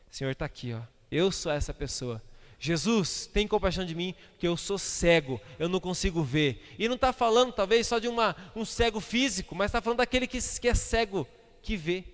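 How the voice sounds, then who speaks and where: A man, preaching a sermon as pastor, swinging between loud outbursts and hushed asides. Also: high-pitched. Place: church sanctuary. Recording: reverberant church hall.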